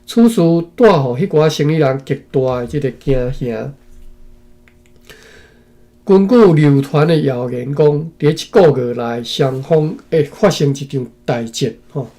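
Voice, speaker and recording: Speaking in a mellow, mid-range voice, a Taiwanese man reads a historical text slowly in short phrases. He frequently stops to offer his own remarks, sprinkling in tag particles.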